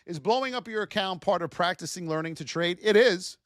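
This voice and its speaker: A man coaching a livestream audience with blunt, gruff tough love, in punchy repeated phrases that push and encourage. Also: high-pitched, a little fast, dry recording, clean studio sound. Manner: punchy repeated phrases, addresses listeners as folks. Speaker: trading coach and livestream host. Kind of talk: livestream coaching pep talk.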